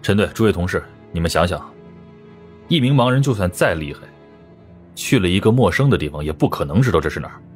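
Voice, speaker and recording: A man's voice: deep voice, animated, fast, soft background music. A man voicing an earnest, analytical male forensic doctor in an audiobook, explaining his reasoning firmly. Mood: persuasive. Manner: explanatory, firm, reasoning step by step.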